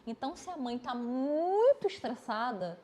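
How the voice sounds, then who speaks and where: A woman, an osteopath and physiotherapist, explains things step by step on a podcast, with lively examples. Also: high-pitched, unhurried, a little hiss or hum. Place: podcast studio.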